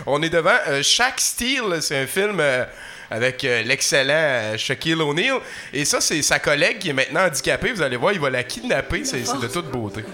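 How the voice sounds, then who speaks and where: Lively jokey co-host. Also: male voice, on the high side. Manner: jokey, animated, quick reactions. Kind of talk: casual chat.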